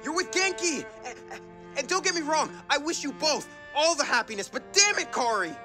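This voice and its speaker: Male actor as lovesick anime youth, high, flustered and earnest, over music. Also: lively intonation, fairly quick. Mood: flustered, heartbroken. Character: lovesick, exasperated young anime man. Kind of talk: animation demo acting.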